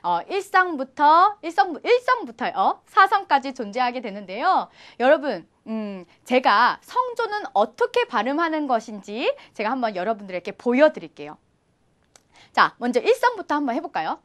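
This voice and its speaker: Bright, lively woman teaching a lesson. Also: high-pitched, normal speed. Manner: lively, encouraging, asks the viewer questions. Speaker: Chinese teacher. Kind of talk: friendly online language lesson.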